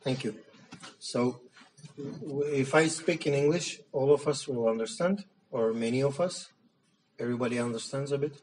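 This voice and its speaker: A man's voice: medium pitch, normal speed, darkish tone, slight background noise. A man from Turkey, a native Armenian speaker and journalist, giving a talk at a public meeting in hesitant English full of fillers and restarts. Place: meeting hall. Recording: speaker heard from far off.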